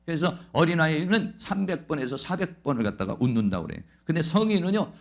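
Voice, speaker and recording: A man's voice: on the high side, sing-song, fast talker, vocal fry. A male pastor preaching a Sunday sermon, fervently proclaiming declarations and answering his own questions. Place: church Sunday service.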